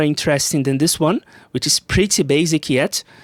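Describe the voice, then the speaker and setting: Recorded very cleanly against a silent background, the speaker talks at a moderate pace with a non-native accent. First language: not English. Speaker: technical sound designer. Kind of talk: devlog screen walkthrough. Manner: halting, many fillers.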